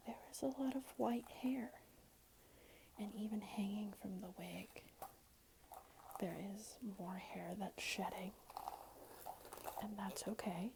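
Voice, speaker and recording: A woman whispering breathily and gently in an ASMR tutorial, explaining things in an unhurried way. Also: medium pitch, fairly even intonation, gravelly, background noise. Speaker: ASMR creator giving a wig styling tutorial. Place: small room at home, indoors.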